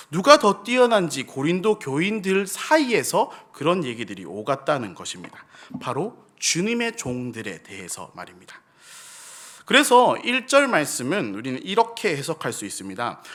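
Loudness rises and falls in big swings, and pitch swings very widely. The pace is moderate. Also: man, high pitch for a man. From South Korea, Gyeongsang province. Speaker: pastor. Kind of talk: sermon.

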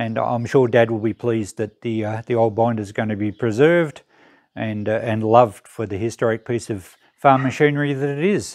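The voice moves at a moderate pace with ordinary pitch variation. The background is quiet. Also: man. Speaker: farm owner vlogger. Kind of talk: casual vlog chat. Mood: relaxed, pleased. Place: farm machine. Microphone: phone near.

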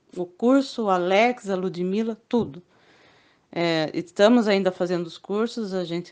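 A woman at medium pitch uses a normal speaking voice, moving at a moderate pace with ordinary pitch variation. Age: 40s. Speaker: student of sublimation courses. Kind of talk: testimony.

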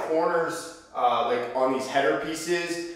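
A man's voice at a very slow pace, with ordinary pitch variation and strong room echo. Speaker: construction instructor. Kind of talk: tutorial. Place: home room.

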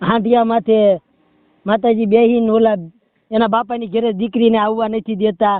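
In a monotone, flat delivery, a man speaks with a high pitch. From Gujarat, Bhavnagar district. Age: young. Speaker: caller seeking advice. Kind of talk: phone call. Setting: phone call.

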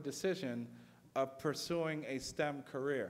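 A man speaks in a fairly high pitch with ordinary pitch variation. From Miami, Florida (born in Jamaica). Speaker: aviator and educator. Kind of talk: motivational talk. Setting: stage with audience. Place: hall. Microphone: podium.

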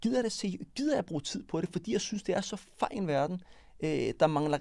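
A man's lively intonation and fairly quick pace stand out against a quiet background. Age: 40s. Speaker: former professional footballer, football coach; podcast guest. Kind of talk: casual chat. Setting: studio. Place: studio. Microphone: studio mic.

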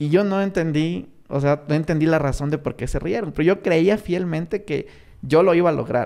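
A man's high-pitched voice with a dark, mellow tone, ordinary pitch variation and a moderate pace over a quiet background. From Ecuador, Loja; Ecuador. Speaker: entrepreneur; podcast guest. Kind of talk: casual chat. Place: studio. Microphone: studio mic.

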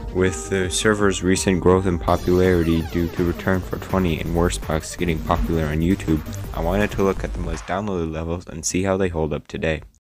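A man talks fairly quickly in a very deep, low voice, music playing in the background. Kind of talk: video game commentary narration. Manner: monotone.

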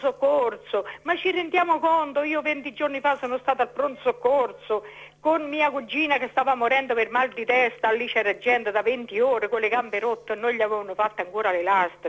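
A woman's high voice shows ordinary pitch variation as she talks at a moderate pace. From Italy, Frosinone. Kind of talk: phone-in complaint. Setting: phone call. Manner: animated.

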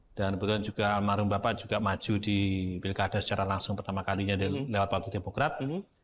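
A man with a fairly low pitch talks at a very fast pace over light background noise. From Jakarta, Indonesia. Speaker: regency head candidate, politician; candidate, politician. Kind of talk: TV interview. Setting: studio. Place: studio. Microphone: lapel.

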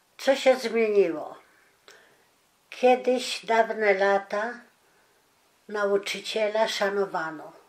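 Against a quiet background, a woman speaks at a very slow pace with long, frequent pauses. Her pitch varies in an ordinary way. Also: medium pitch for a woman. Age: 80s+. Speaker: retired teacher. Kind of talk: oral history interview. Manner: lively. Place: home room.

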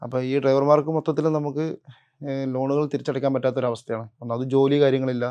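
Flat and monotone, a man's voice has a dark, mellow tone. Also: quiet background. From Wayanad, Kerala. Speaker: jeep driver, landslide survivor. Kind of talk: interview testimony. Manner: halting.

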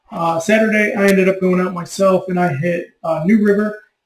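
A man talks at a fairly quick pace in a high pitch. Audible room echo surrounds his voice. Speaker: fishing channel host. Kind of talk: casual vlog chat. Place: home room. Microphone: webcam.

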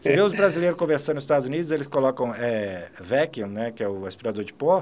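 In a Brazilian accent, the speaker moves at a fairly quick pace. The pitch swings are very wide. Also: man. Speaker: army veteran. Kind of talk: podcast interview, casual storytelling. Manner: animated, informal with slang. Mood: cheerful, joking anecdotes. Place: studio. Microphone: studio mic.

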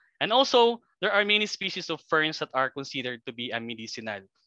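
A man with a Visayan Filipino accent speaks in a bright, sharp tone at a fairly quick pace. His intonation is lively, the sound dry with no echo, and the background quiet. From Philippines, Mindanao. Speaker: biology professor. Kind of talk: lecture. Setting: video call. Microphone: video call.

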